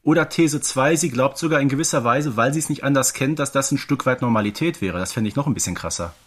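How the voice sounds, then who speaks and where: A man's voice: mid-range voice, fast talker, husky. A man co-hosting a casual podcast, speaking colloquially and emphatically, often adding little tag questions. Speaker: podcast co-host.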